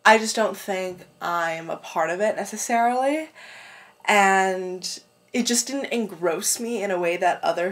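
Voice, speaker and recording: A woman with a clogged-up throat, chatting casually at home about books she read, rambling, laughing and swearing freely. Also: medium pitch. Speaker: book vlogger. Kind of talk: casual book review chat. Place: home room with window open.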